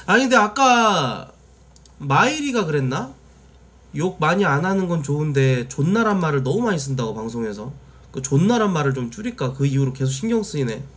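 A man's voice: fairly high pitch, very animated, fairly quick, fairly bright tone. A man from Jeolla, South Korea, chatting casually on a live stream. He talks bluntly, swears freely and answers his chat directly.

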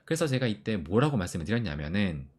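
A man hosting an investing channel, talking earnestly to viewers with frequent filler pauses. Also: on the low side, very animated, a little mellow. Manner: earnest, advising, many "eo" fillers. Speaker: crypto investing channel host. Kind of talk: solo talk to viewers.

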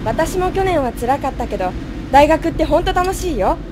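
A woman's voice: high-pitched, expressive, moderate pace. A young woman playing a caring, cheerful university student in an amateur radio drama. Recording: clear ambient noise behind.

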